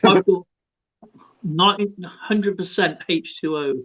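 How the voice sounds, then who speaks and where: A man's voice: high-pitched, unhurried, a bit bright, slightly rough. An English man co-hosting a live stream in casual chat, joking and laughing often as he tells stories. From England. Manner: laughs a lot, jokey storytelling. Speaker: stream co-host. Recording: dull lo-fi stream audio.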